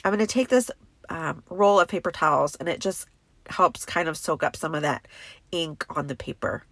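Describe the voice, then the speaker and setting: A woman in her thirties talks through a craft project in a relaxed, chatty voice-over. Her voice is congested and stuffy, a little on the low side, and the close recording is very dry with no room sound. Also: moderate pace, no room sound. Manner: chatty and enthusiastic, many fillers. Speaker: crafting tutorial host. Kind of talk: casual voice-over craft tutorial.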